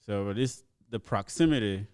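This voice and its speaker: A man's voice: on the low side, normal speed, a little mellow, clean tone, no room sound, clean studio sound. A young man from Ethiopia, chatting easily as a comedian guest on a podcast and laughing often. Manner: easygoing storyteller, laughs often. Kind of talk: casual podcast chat.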